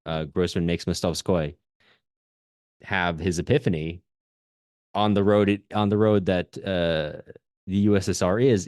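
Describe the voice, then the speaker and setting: A male podcast host with a low voice in a very dry recording. He analyses books conversationally, pressing his points with emphasis, restarting phrases and checking in with short tag questions. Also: a little mellow, no echo. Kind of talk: casual literary analysis.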